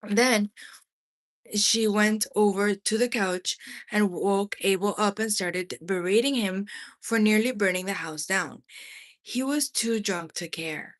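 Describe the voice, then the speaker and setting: A woman reading a memoir aloud as expressive narration, in deliberate phrases with dramatic pauses. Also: medium pitch. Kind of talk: expressive audiobook-style narration.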